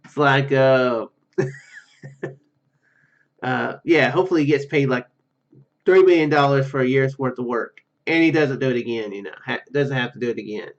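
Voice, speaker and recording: Hosting a let's play, this man reads story narration at a moderate pace, tripping over words and dropping in offhand comments. His voice sits at medium pitch, broken by long pauses, and the audio is lo-fi.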